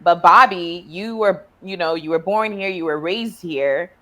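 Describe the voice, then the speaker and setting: A woman's voice: on the low side, measured pace, sharp tone. A woman from Ghana hosting a casual interview as a therapist, asking friendly questions and laughing easily. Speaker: therapist and podcast host.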